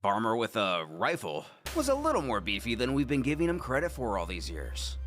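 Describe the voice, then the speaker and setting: A man tells a story in a scripted narration, his pitch rising and falling with lively energy. He drops wry asides between plot beats. Faint music plays quietly beneath his voice. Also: fairly quick. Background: faint background music.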